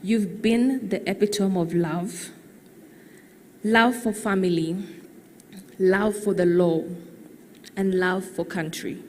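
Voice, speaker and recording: A woman's voice: mid-range voice, takes it slowly, pauses often, darkish tone, in a large hall, slight background noise. Earnest young woman reading a eulogy. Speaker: daughter giving a eulogy. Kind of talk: read eulogy.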